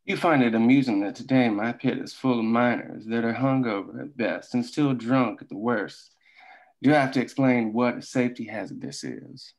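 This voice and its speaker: A stern mine boss acted by a man speaks in a creaky, gravelly voice at a middling pitch. He is formal and admonishing, moralizing as if in a drama table read. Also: moderate pace, muffled recording, lightly acted. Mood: disapproving.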